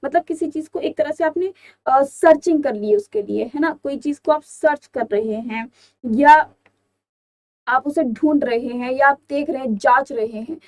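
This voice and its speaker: A young woman with an Indian English accent teaches an exam-prep vocabulary lesson, explaining each word and asking her students rhetorical questions. Her voice is high, unhurried, and a little mellow.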